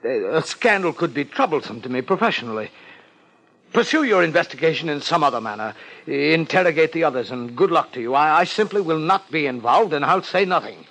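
An actor playing a nervous, evasive professional gentleman in a 1950s radio drama, speaking formally and hesitantly with stammered repeats. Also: fairly high pitch, animated, fairly quick, low-quality recording. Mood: flustered, indignant.

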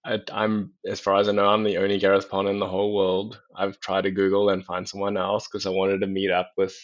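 A man in his thirties from South Africa, a podcast guest chatting casually about himself, relaxed and laughing now and then. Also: sits low, a little fast. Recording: dull lo-fi sound.

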